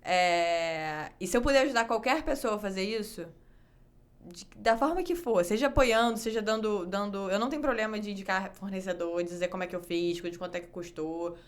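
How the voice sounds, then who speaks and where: A woman with a Brazilian accent, a poet talking candidly and lively as a podcast guest. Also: mid-range voice, brisk. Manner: candid, lively, self-deprecating. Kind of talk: casual interview chat.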